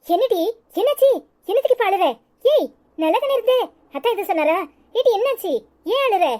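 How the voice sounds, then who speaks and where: A woman's voice: extremely high pitch, expressive, a little fast, darkish tone. A woman voicing a bossy, caring elder village sister in a cartoon, with a Tirunelveli Tamil accent and a blunt, motherly manner. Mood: stern. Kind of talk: cartoon voice acting.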